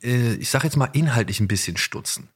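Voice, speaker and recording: A man's voice: mid-range voice, lively intonation, fairly quick. A man hosting a podcast in casual discussion, searching for his words and often repeating them as he goes. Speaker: podcast host.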